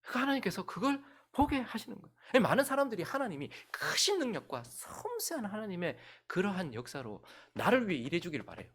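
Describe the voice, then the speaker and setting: A male pastor preaching a sermon. He swings between loud outbursts and hushed whispers. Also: sits high, big pitch swings, quick pace, hardly any pauses.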